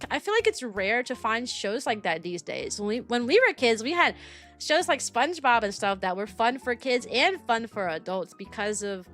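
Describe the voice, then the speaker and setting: High-voiced woman chatting on a livestream. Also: a bit bright. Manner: rambling, repeats phrases for emphasis. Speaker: livestream host; kindergarten teacher. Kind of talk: casual livestream chat. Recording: music playing behind the voice. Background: background music.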